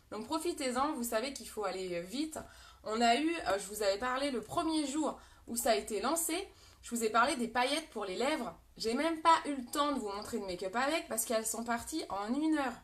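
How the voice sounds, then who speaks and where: A French woman hosting a casual live makeup demo, chatting with viewers as she talks through products. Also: a little high. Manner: chatty, greets viewers, frequent fillers.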